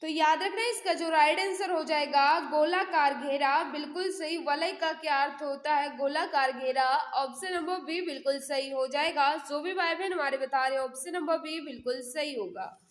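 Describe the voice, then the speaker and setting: A woman's voice: sits high, normal speed, few pauses, roomy sound. A woman teaching a live exam prep class, reading questions and answers aloud in an instructional way, repeating them and prompting listeners.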